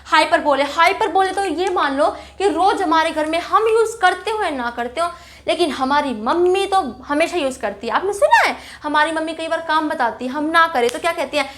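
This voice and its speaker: Woman, high voice, chatty grammar teacher, on English lines, frequent check-ins. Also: animated, normal speed, fairly bright tone, a little hiss or hum. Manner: chatty, repeats "ठीक है" and rhetorical questions. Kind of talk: casual classroom explanation.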